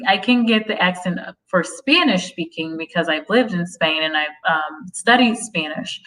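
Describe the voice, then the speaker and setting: A chatty woman hosts a casual livestream and works through viewer comments while drifting onto tangents. Her voice is bright and clear. She sits slightly back from the microphone. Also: mid-range voice, recorded from a distance, rough recording. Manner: chatty, goes off on tangents, laughs often. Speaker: host of a career-advice livestream.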